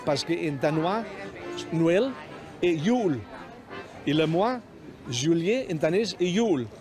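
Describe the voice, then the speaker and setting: Halting man, fairly high voice. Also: lively intonation, music in the background. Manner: halting, searching for words. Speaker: interviewee.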